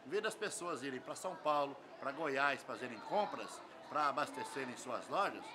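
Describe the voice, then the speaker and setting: A man's voice: medium pitch, expressive, brisk. An older man with a Brazilian accent, giving an emphatic interview as a fair organizer, driving points home with repeated phrases. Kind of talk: on-camera news interview. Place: semi-open covered event hall. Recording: clear ambient noise of an open venue.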